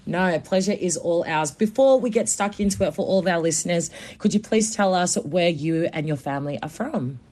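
A woman's voice: fairly low pitch, moderate pace, few pauses, a little mellow. A woman hosting a sports podcast, upbeat, reading neat segues. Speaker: host.

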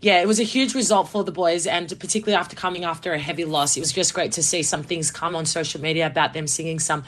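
A woman's voice: low voice, fairly even intonation, fast talker, a bit bright. A woman hosting a sports podcast, upbeat, reading neat segues. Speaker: host.

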